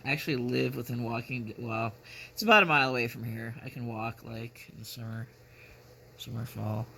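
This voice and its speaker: A man in his fifties vlogging casually, talking in a halting, musing, rambling way. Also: medium pitch, fairly even intonation, creaky, pushed and bright. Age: 50s. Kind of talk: casual chat. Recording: noticeable background noise.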